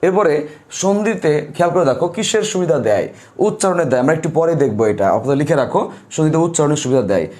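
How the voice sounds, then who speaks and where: A man teaches a grammar lesson in a fairly high voice. He repeats every point and keeps asking his students questions so they write it down. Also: expressive, fast talker, darkish tone.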